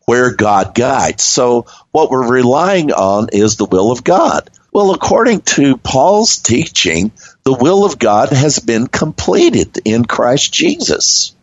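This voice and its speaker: Slow, lively-voiced man discussing faith. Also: mid-range voice, no room sound, muffled recording. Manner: rambling, questioning, teaching tone. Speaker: co-host. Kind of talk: casual religious discussion.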